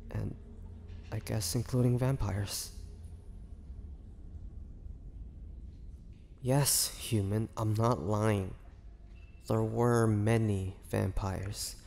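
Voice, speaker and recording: A man playing an ancient, gentle and wistful male vampire in an intimate audio roleplay, speaking haltingly with measured pauses. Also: lowish voice, gravelly, a little hiss or hum. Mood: resigned, bitter.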